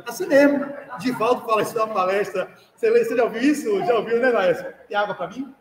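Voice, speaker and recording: High-voiced Brazilian man lecturing in an echoey hall. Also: quick pace, a crowd in the background. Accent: Brazilian Portuguese. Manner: lively, jokey, addresses listeners directly, acts out quoted parents. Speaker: spiritist lecturer. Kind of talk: live lecture to an audience. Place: spiritist center hall. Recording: echoey hall recording with light background noise.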